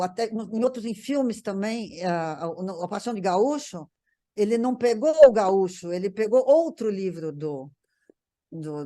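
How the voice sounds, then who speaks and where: Brazilian woman, conversational panel guest, stop-start delivery with repeated words, mid-pitched voice. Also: mellow. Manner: halting, repeats words while searching for phrasing. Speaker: panel guest discussing a TV writer's work. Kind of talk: casual conversational recollection.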